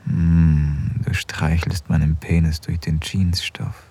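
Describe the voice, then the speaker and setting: A man's voice: rumbling low, level tone, slow, husky, full character voice. A man playing a tender, longing husband. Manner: soft, intimate, often near a whisper. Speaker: husband in an erotic audio drama. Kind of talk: intimate second-person audio drama.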